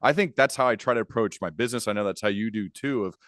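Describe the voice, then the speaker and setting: A man's voice: lowish voice, fast talker, fairly bright tone, no echo, clean studio sound. A man hosting a conversational interview, speaking earnestly and repeating phrases for emphasis. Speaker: podcast host, interviewer.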